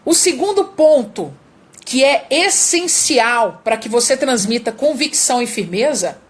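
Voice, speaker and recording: A Brazilian woman with a high voice teaches public speaking in a live online lesson. She talks emphatically, repeating key words and walking her listeners through vocal exercises. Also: animated, measured pace. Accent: Brazilian Portuguese.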